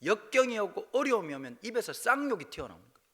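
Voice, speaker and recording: A male pastor from Busan, preaching a revival sermon in a church with humor, moving between quiet asides and loud exclamations. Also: high-pitched, very animated, fast, slightly rough. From Busan, South Korea. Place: church sanctuary.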